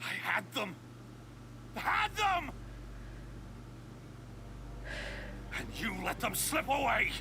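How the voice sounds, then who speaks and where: A man voicing dramatic characters in an animated fantasy adventure. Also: very high-pitched, unhurried, heavily acted. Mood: furious. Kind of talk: animated series acting. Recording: loud soundtrack music over dialogue.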